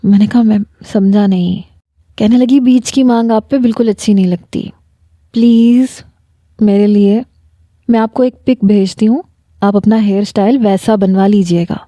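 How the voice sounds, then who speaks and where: Dark-voiced woman narrating a story. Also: medium pitch, steady tone, no echo. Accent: Pakistani Urdu. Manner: reads a first-person romance, voicing a young man and his fiancée in the same voice. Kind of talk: scripted narration.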